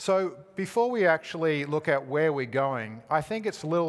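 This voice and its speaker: A man with a slight Australian accent and lively intonation. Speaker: tech executive presenting at a conference. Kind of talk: keynote presentation. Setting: stage with audience. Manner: hesitant, many fillers.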